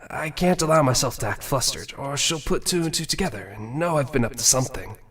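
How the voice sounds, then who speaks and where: A man playing an awkward, self-doubting young prince musing to himself in a fan audio drama, with a husky voice. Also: medium pitch, lively intonation, a little fast, fairly bright tone, far from the mic. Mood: flustered. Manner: casual, introspective musing.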